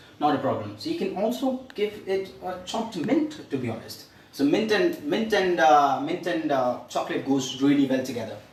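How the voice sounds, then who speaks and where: A man with a high pitch talks at a moderate pace with hardly any pauses and very wide pitch swings, amid noticeable background noise and audible room echo. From India, Mumbai. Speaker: chef. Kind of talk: cooking demonstration. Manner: speaking louder after remark.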